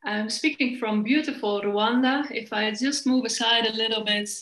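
A Dutch woman in her forties, a coach and festival speaker, gives an earnest conference talk over a video call on a laptop, searching for words with many restarts. Her fairly high, bright voice is steady at normal speed, and the recording sounds roomy and rough.

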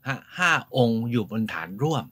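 A man hosting a tour, telling stories in a lively, polite, informal way outdoors. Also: mid-range voice, normal speed. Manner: lively storyteller, polite, often adds polite particles. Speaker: host and tour guide. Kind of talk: informal guided-tour storytelling. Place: outdoors at a temple.

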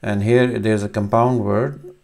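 A man in his thirties, a native Urdu speaker, walks through a reading lesson at a very slow, halting pace, full of pauses and fillers. His voice sits on the low side with a gravelly edge of vocal fry. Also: fairly even intonation, a little mellow. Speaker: teacher. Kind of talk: screen-recorded reading lesson.

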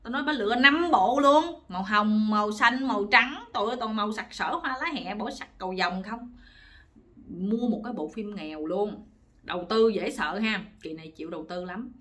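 A woman telling a bawdy story casually to viewers, lively and gossipy, laughing often. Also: medium pitch, moderate pace. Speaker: storytelling channel host.

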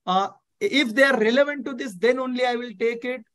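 A man's voice: extremely high pitch, brisk, fairly bright tone. A man in his thirties with an Indian English accent, teaching a live online German class and often checking that students follow. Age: 30s. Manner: explains step by step, checks understanding often, mixes Hindi. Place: indoor room, video call.

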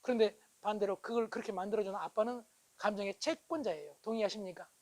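A middle-aged man lecturing at a rapid clip with a high voice. He drives his points home by asking the room whether they agree, swinging between loud bursts and hushed asides. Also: poor audio. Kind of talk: animated public lecture. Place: lecture hall.

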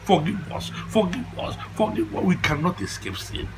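A man's voice: high-pitched, wildly swooping pitch, normal speed, background noise. Pleading, dramatic devout Nigerian father. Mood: pleading, fervent. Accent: Nigerian Igbo. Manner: theatrical, repetitive, pleading, mixes English and Igbo. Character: devout older father, dramatic repentant sinner, easily indignant. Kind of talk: comedy film acting with loud pleading prayer.

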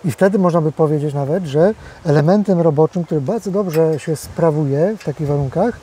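A man explaining farm equipment in a casual interview outdoors in a field, in a steady, explanatory way. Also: fairly high pitch, fairly quick, husky.

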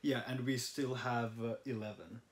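A man's voice: mid-range voice, fairly even intonation, normal speed. A young man from Finland, a native Finnish speaker, hosting a casual language-study vlog from a living room sofa, thinking aloud with fillers. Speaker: vlog host. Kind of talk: casual chat. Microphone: camera in front of a couch.

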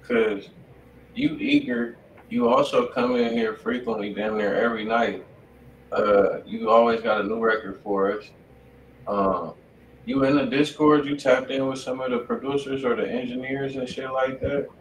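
A man's voice: medium pitch, steady tone, normal speed. A man hosting a live music review stream from a home studio, talking in loose, slangy, casual chat. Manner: laid-back street slang, loose and conversational. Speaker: radio stream host reviewing submitted music. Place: home studio room at a desk. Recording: roomy and distant with faint noise.

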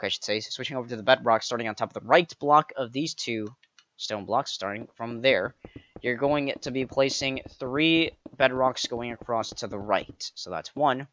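A man narrating a step-by-step game building tutorial, counting blocks aloud with playful jokey asides and a slightly raspy voice. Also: mid-range voice, normal speed, a bit bright, dull audio. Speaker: pixel art tutorial creator.

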